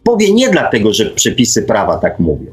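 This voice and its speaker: A man's voice: on the low side, wildly swooping pitch, brisk. A man in a casual debate, speaking emphatically and often checking for agreement with short tag questions. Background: faint music.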